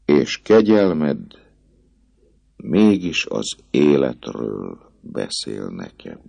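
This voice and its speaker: A proud young gypsy woman, shrill, cold and scornful, in an audiobook, as a man puts her on. Her voice sits well above the reader's deep one but keeps its gravel. The sound is dry and close. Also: very animated, darkish tone, no echo, heavily acted. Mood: icy. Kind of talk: audiobook reading.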